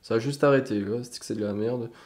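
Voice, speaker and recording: Relaxed slangy young French man. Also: medium pitch, fast. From France. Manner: slangy and relaxed, trails off and restarts. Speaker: YouTuber answering viewer comments. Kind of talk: casual chat. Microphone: USB desk microphone.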